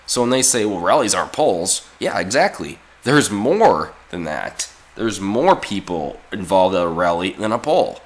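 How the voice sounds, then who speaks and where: A man hoarse from a cold giving opinionated, informal political commentary in an emphatic, repetitive way. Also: low voice, big pitch swings, moderate pace, hardly any pauses.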